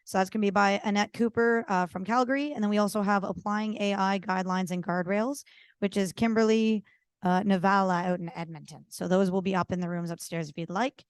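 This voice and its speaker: A woman's voice: mid-range voice, fairly even intonation, brisk, smooth, no echo. A woman moderating a conference and introducing speakers, losing her voice and talking casually with many fillers. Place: conference hall.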